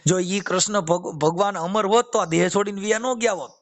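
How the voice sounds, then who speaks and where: This devotional speaker, known from his YouTube channel, preaches casually on a phone call in a Kathiyawadi Gujarati accent, quoting verses and circling back to repeated phrases. His voice sits high and moves a little fast.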